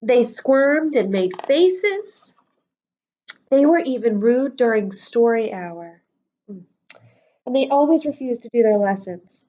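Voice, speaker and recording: A woman reading a children's storybook aloud in an expressive, deliberate schoolteacher's manner. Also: on the high side. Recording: dull lo-fi audio.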